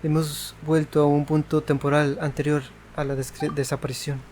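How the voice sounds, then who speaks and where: A man's voice: on the high side, little pitch movement, a little fast, darkish tone, a little hiss or hum. A man with a Mexican accent doing casual playthrough commentary and reading game dialogue aloud.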